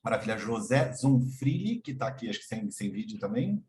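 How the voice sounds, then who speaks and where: A man's voice: fairly low pitch, big pitch swings, a little fast, darkish tone. A man with a Brazilian Portuguese accent, hosting an online session and introducing guests one by one. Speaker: host and moderator of an online session. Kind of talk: moderating a video call. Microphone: video call.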